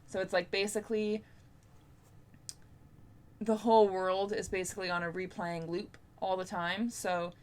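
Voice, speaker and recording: A woman's voice: medium pitch, little pitch movement, a little slow, long pauses, darkish tone. A woman with a Canadian accent chatting casually to viewers as a book vlogger, informal and talkative. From Ontario, Canada. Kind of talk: casual chat to camera.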